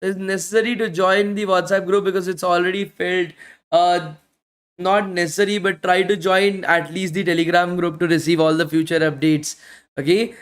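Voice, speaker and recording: A bootcamp instructor runs a live online session, fielding questions in casual, repetitive talk and tacking "guys" onto the ends of phrases. Speaking every day is costing him his voice, which sits high and fairly bright, delivered flatly at a normal speed.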